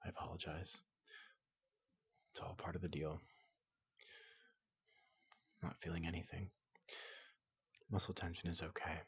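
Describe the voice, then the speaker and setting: A large, gentle robot doctor speaks in a very low, breathy murmur that often drops to a whisper. The delivery is even and halting, soothing a patient in ASMR roleplay style, close and soft. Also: no echo. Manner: slow, halting, reassuring.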